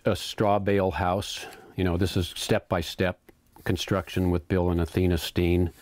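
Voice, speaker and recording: A man in his eighties giving a relaxed, rambling tour of his homestead, often repeating words while he thinks, on a lapel mic with faint background noise. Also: low-pitched, normal speed. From United States. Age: 80s. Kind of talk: casual tour talk. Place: outdoor garden and home pantry.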